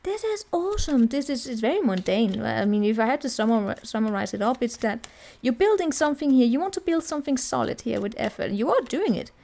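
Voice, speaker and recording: A woman's voice: fairly high pitch, lively intonation, fairly quick, gravelly, few pauses, warm tone. A woman giving a casual tarot reading in a chatty, rambling way, often checking in with the listener. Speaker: tarot reader.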